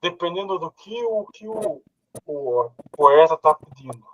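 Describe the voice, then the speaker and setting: A man's voice: on the high side, lively intonation, measured pace, a bit bright, no room sound, dull audio, soft background music. A Brazilian man in a casual group discussion, thinking aloud with hesitant fillers and short laughs, heard over a video call. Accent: Brazilian Portuguese. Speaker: philosophy study group participant.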